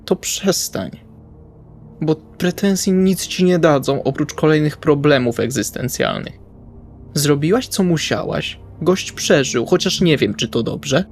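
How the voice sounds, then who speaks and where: Guy doing a blunt jaded army vet vampire, bit of gravel in the voice, swears, music underneath. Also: a little high, expressive, measured pace. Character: blunt ex-military man, jaded but protective vampire. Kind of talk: improvised roleplay audio drama.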